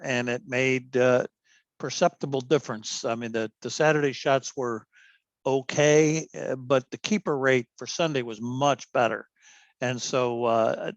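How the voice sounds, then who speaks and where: A club meeting host with a mid-range voice chats casually on a video meeting, telling a rambling story packed with fillers and restarts. The recording is dry, with a dull mic sound.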